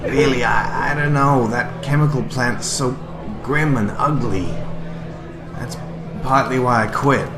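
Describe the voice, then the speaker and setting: An actor in a radio drama playing a nervous, hard-up father drawn into crime, speaking haltingly. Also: mid-range voice, background noise, close to an everyday voice. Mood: hesitant, uneasy. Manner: hesitant, halting. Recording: loud music under the voice.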